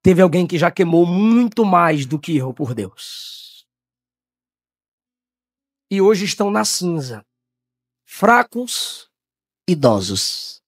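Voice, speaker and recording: A man from Brazil preaching a Pentecostal sermon, shouting in high bursts and then dropping to low, quiet tones. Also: big pitch swings, slow pace, pauses often, dry recording, studio quality.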